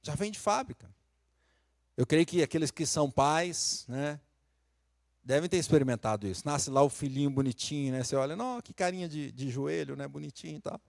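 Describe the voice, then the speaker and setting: A man's voice: on the high side, a little fast, creaky, dry recording, clean studio sound. A middle-aged man with a Minas Gerais Brazilian accent preaching a sermon in a conversational way, rising to emphatic peaks. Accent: Brazilian Portuguese, Minas Gerais. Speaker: pastor.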